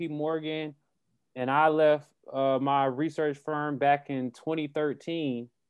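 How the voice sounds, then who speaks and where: Speaking very slowly with an American accent, a man uses a fairly high pitch. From US South, Durham, North Carolina. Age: 30s. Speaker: financial educator. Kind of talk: casual interview.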